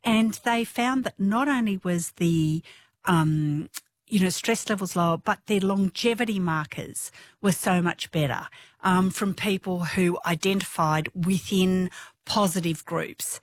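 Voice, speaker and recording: A woman in her fifties with a low alto voice, a physiotherapist talking enthusiastically on radio. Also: unhurried. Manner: enthusiastic, warm, laughs often. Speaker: physiotherapist guest. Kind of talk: casual radio interview.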